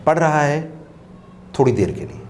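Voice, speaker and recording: A man with a slightly high-pitched voice talks as a guest on a talk show, unhurried and reflective. He repeats phrases for emphasis and slips in lines of poetry. A faint hum sits under his voice. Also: big pitch swings, a little mellow. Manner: quotes couplets while explaining.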